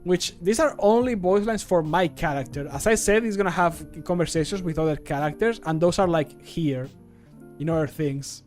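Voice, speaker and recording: Chatty man streaming, slightly high voice. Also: normal speed, darkish tone, soft background music. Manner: chatty, informal. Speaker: streamer and game modder. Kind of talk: casual livestream chat. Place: small room at home, indoors.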